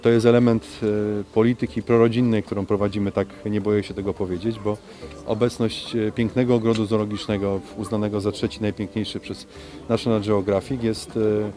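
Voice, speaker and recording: Halting low-voiced male official. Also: level tone, mellow, faint music behind. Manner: halting, frequent hesitation sounds. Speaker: local official. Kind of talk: on-camera statement to local TV.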